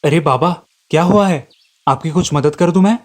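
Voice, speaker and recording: A man's voice: fairly high pitch, moderate pace, natural voice. Man doing a cheeky, lazy young lad. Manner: lively and carefree.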